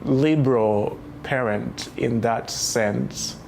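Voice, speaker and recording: A man in his thirties from Rwanda, recounting his life story in a reflective, unhurried way with many fillers. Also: mid-range voice, vocal fry. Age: 30s. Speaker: memoir writer telling his life story. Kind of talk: personal testimony. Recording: music playing underneath.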